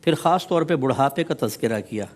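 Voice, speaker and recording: A man, a mufti, giving a measured religious explanation on a TV talk show, listing points in rhythmic series and mixing in English words. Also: medium pitch, lively intonation.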